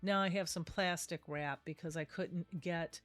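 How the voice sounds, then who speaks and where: A middle-aged woman with a cold-stuffed, nasal voice hosts a casual craft video, rambling through the tutorial voice-over and often correcting herself. Her pitch sits fairly low, her intonation stays fairly even, and she takes her time.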